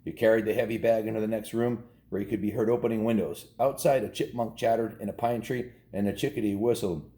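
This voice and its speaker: A man's voice: fairly low pitch, steady tone, fast talker, hardly any pauses, warm tone, slight background noise. A man in his fifties with an American accent, reading a children's book aloud with informal, jokey asides. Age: 50s. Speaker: children's book reader and host. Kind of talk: casual read-aloud with asides to viewers.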